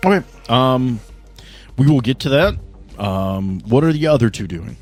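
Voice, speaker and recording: Playful man hosting, very lively pitch. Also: measured pace, soft background music. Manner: playful, joking. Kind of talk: casual podcast banter and game narration.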